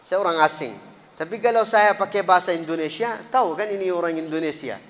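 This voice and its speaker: A man from an Arab country with an Arabic accent, speaking a second language as he teaches in an earnest, lively mosque sermon. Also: high voice, quick pace, big-room sound, dull audio. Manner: earnest, lively, rising emphatic bursts. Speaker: Quran teacher. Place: mosque hall.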